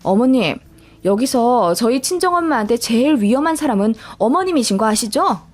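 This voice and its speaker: A woman voicing her own younger self as an indignant young wife, sharp and raised above her narrating voice. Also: on the high side, sing-song, moderate pace. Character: indignant young married woman confronting her mother-in-law.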